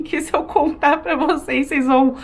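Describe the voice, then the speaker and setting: A woman vlogger telling a childhood story to camera in a casual, animated way, with many fillers. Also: sits high, moderate pace. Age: adult. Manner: animated, frequent fillers, acts out shouting.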